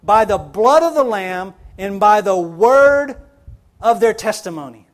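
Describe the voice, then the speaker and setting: A male pastor with a notably high voice delivers his sermon slowly and deliberately. He leans on repetition, pressing key phrases again and again as his emphasis builds. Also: lively intonation. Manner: preaching with rising emphasis, repeats phrases for stress.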